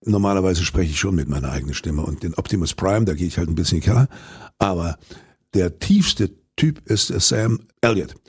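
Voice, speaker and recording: An older man, an actor and voice actor, telling stories in an interview in a deep voice, rambling with restarts. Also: animated, a little fast, no room sound, clean studio sound. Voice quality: deep, gravelly. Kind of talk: interview answers.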